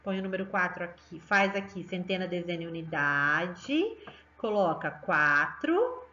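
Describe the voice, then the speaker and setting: A woman's voice: on the low side, expressive, measured pace, bright, forceful tone, muffled recording. A Brazilian woman in her thirties teaching a remote math lesson to young children in a cheerful, coaxing way. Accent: Brazilian Portuguese. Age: 30s. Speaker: primary school teacher.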